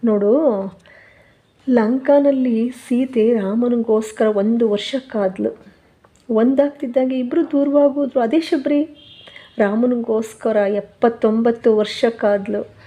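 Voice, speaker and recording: A woman's voice: fairly high pitch, measured pace, dark tone, close to an everyday voice. Woman doing a soothing young husband. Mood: reassuring. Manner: soothing, coaxing, preachy. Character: gentle consoling young husband, man.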